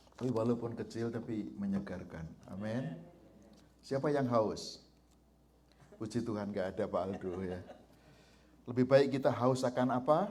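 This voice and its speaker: With long, frequent pauses and audible room echo, a man speaks at medium pitch and a moderate pace with ordinary pitch variation. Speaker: pastor, guest preacher. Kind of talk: sermon. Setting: church service.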